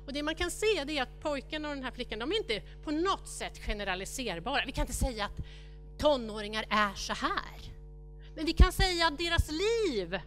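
A middle-aged woman speaks from a lectern to a seated audience in a large hall, her voice sitting a little high. She reels off long lists in a steady, matter-of-fact way and pauses to guess aloud. Faint music sits under the room sound. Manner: rattles off lists of apps, speculating aloud. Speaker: keynote speaker. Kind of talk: conference keynote talk.

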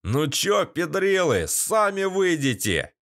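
A man voicing a crude, nasal-voiced bandit leader who shouts mocking taunts in an audiobook. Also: high-pitched, sing-song, slow pace, pitched above the performer's own voice, full character voice. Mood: jeering taunts.

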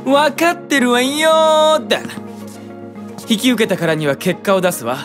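A man's voice: extremely high pitch, unhurried, music in the background. A man playing a flamboyant, sassy young stage professional with camp, feminine phrasing in a voice drama. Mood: huffy, teasing. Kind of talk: anime-style voice drama acting.

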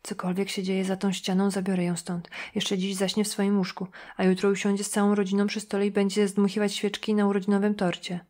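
A woman voicing a determined father who speaks quietly and resolutely. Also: mid-range voice, monotone, a little fast, few pauses, lightly acted.

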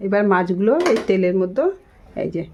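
A woman's voice: mid-range voice, steady tone, brisk, a little mellow. A middle-aged woman chatting casually to viewers, repeating herself as she explains her cooking. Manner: repetitive, explaining each step to viewers. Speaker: home cooking vlogger. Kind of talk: casual vlog chat. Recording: noisy home recording with ambience.

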